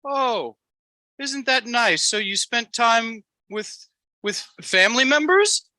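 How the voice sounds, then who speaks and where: Polite old-fashioned Amish man, high sing-song voice, slow genteel delivery, bright tone. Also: very animated, dry recording, full character voice.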